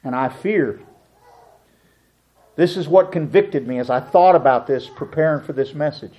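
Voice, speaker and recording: Animated storytelling pastor, high voice. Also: male voice, normal speed, muffled recording. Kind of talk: sermon.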